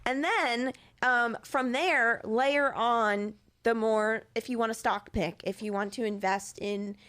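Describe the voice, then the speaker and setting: A woman's voice: on the high side, takes it slowly, fairly bright tone. A woman co-hosting a money podcast in casual chat, talking and laughing easily. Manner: chatty, breaks into laughter. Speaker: podcast co-host.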